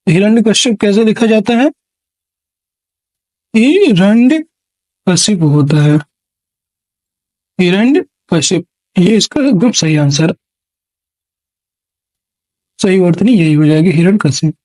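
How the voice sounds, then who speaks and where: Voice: medium pitch, lively intonation, takes it slowly, pauses often, a little mellow, no room sound. A Hindi exam-prep teacher working through multiple-choice spelling questions, reading each option aloud, repeating words and naming the right answer. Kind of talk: classroom lesson on spelling questions.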